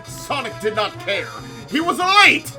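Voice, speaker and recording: A woman's voice: a little high, sing-song, measured pace, over music. A woman giving a theatrical comedic reading of fan fiction as narrator, with casual banter.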